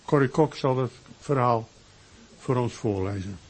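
A man announcing the title of the story and who will read it, in a measured, formal way. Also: mid-range voice.

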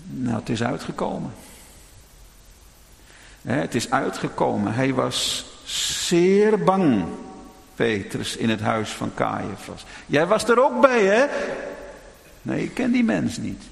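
A man preaching a sermon dramatically, moving between raised pleading and hushed, low tones. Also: sing-song, slow pace, gravelly, long pauses, in a large hall.

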